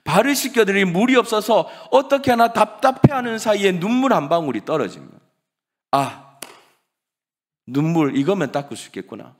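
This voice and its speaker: A male pastor preaching a sermon, dramatic and swinging from loud emphasis to hushed words. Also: a little high.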